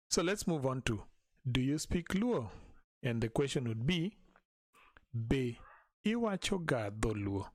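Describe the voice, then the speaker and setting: A man teaching a language in a live stream, patiently repeating each phrase slowly for learners. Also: mid-range voice, darkish tone, no room sound, clean studio sound.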